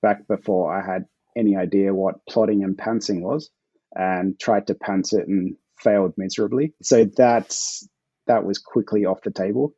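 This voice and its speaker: A man's voice: fairly low pitch, steady tone, normal speed, dark tone, husky, dry recording, dull audio. An Australian man being interviewed as a guest author, answering in a laid-back way with frequent chuckles.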